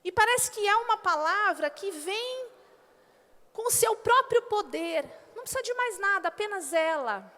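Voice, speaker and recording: A woman pastor preaching a sermon and acting out little quoted dialogues in an animated way. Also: very high voice, moderate pace. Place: church hall. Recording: long hall reverb.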